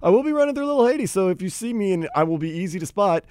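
A man's voice: high voice, animated, racing, darkish tone, clear, resonant tone, dry recording, clean studio sound. A man hosting a sports radio show, chatting and joking about betting with a laid-back manner. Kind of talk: casual sports radio banter. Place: radio studio. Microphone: studio mic.

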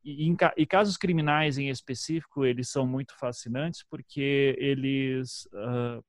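The halting, thoughtful guest on a storytelling podcast, a man from southern Brazil with a Paraná accent, recorded close in a dry space. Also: medium pitch, steady tone, no room sound. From Curitiba, southern Brazil. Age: 30s. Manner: halting, self-interrupting, frequent "né" tags. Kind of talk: conversational interview, reflective storytelling.

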